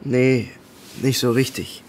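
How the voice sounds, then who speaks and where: Male witness actor, radio play: blunt, colloquial younger brother, average pitch, faint noise behind. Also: fairly even intonation, slow, darkish tone, natural voice. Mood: offhand. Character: blunt, slangy younger brother being questioned by police. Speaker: actor in an audio drama. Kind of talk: German radio play dialogue.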